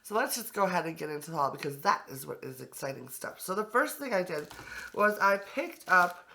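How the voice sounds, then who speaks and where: Bright-voiced congested woman gushing over finds. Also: lowish voice, lively intonation, a little fast, gravelly, a little hiss or hum. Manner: gushing, enthusiastic, many fillers. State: congested from allergies. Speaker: thrift haul vlogger. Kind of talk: casual chatty show-and-tell. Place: home kitchen.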